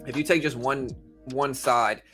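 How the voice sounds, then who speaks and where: A man's voice: mid-range voice, fairly even intonation, a little slow, a bit bright. Casual male livestream host, music behind. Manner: conversational, informal, addresses viewers directly. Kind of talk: casual livestream chat with viewers.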